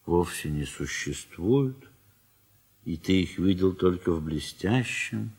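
A man narrating a classic story for a 1970s audio drama, reading in a measured, expressive way with wide swells in pitch and volume. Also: husky. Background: instrumental music.

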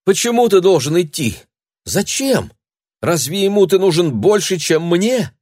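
A man's voice: high voice, animated, unhurried, a little mellow, no room sound, studio quality, pitched above the performer's own voice. A man voicing a young girl who pleads tearfully and breathlessly, reading an audiobook. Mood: pleading.

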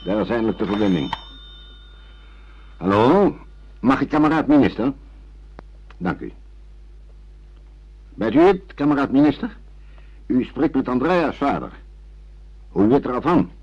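A man's voice: on the low side, breathy edge, full character voice. An actor playing a blustering, exasperated father in a radio drama, pompous and theatrical. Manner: blustering, hesitant when pressed, theatrical. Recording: dull lo-fi radio play recording.

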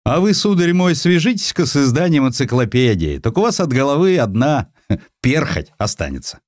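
A man's voice: medium pitch, sing-song, normal speed, darkish tone, voice pushed up, lightly acted. A man voicing a proud, wry Russian editor of old times with an old-fashioned, pointed manner, in an audiobook.

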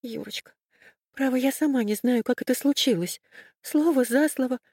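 A woman voicing a scared, tearful young woman who pleads in a high, whimpering voice. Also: big pitch swings, moderate pace, a little mellow, no room sound, clean studio sound. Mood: pleading.

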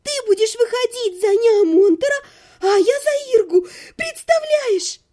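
A woman's voice: very high voice, animated, a little slow, mellow, voice pushed up. A woman voicing a naive young noblewoman who chatters with breathless, sing-song enthusiasm. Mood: gushing.

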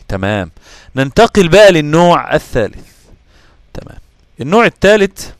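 Fast-talking Egyptian Arabic teacher. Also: male voice, medium pitch, dry recording. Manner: checks understanding with quick questions to listeners; answers his own questions. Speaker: Quran recitation teacher. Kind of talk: explaining tajweed rules to students.

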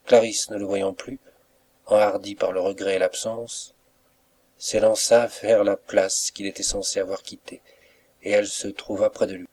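A man reading a novel aloud as an audiobook narrator, in a calm, measured way. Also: fairly low pitch. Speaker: audiobook reader. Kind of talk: scripted narration.

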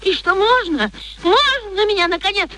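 High-pitched, wounded, furious young woman. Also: animated, normal speed, pushed and bright, heavily acted, low-quality recording. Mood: furious, bitter. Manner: impassioned, theatrical, exclamatory. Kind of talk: classic Russian radio play acting.

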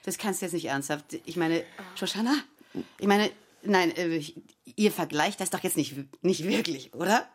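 An actress in a radio play voicing an emotional, easily wounded middle-aged secular Jewish wife. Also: female voice, lowish voice, normal speed, a little hiss or hum, close to an everyday voice. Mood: shocked, indignant.

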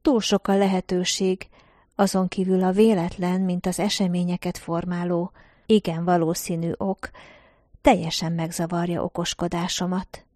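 A woman narrates a science-fiction audiobook in a measured, calm way. Her voice is low and mellow, and the recording is close and dry with no room sound. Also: no room sound. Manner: measured, calm reading with quiet narrative asides. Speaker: audiobook reader. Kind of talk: scripted narration of a first-person science-fiction story.

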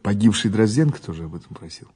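An actor playing a dry, persistent police investigator in an audio drama, with a wry, terse manner. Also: male voice, lowish voice, lively intonation, fast, a little mellow, husky. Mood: wry, firm. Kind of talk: Russian audio drama acting.

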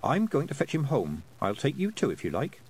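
A man's voice: medium pitch, huge pitch swings, a little fast, darkish tone, slightly rough. A man voicing an earnest, brave young girl who speaks with urgency and determination.

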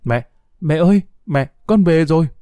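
A man's voice: lively intonation, moderate pace, warm tone, no room sound. A man voicing a young boy who pleads and cries out for his dying mother. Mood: distraught. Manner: pleading, crying out in high voice. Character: young grieving boy, Đức.

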